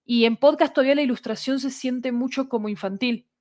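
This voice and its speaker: A woman's voice: sits high, brisk, darkish tone. A woman with a Latin American Spanish accent explains things in casual conversation, thinking aloud and often checking that the listener follows. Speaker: podcast creator guest.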